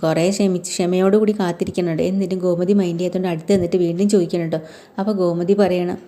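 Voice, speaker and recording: A woman's voice: lowish voice, level tone, very fast, warm tone. A woman casually retelling a TV serial episode, voicing every character in her plain voice. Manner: voices all characters in one plain voice, filler sounds. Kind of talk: casual spoken retelling with acted dialogue.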